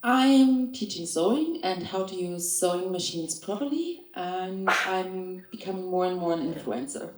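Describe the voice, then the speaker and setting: A woman's voice: fairly low pitch, lively intonation, unhurried, hardly any pauses, darkish tone. A woman from Italy, a sewing teacher, introducing herself on a panel. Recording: distant, echoey event room.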